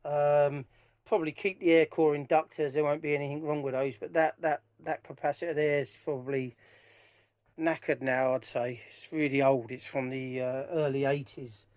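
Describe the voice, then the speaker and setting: A man's voice: fairly high pitch, flat delivery, normal speed, darkish tone. A middle-aged man giving informal hands-on commentary in a workshop, thinking aloud as he works. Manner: thinking aloud while working with his hands. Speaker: DIY speaker restorer presenting a how-to video. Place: small cluttered workshop, indoors. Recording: clear background noise, clicks of handling.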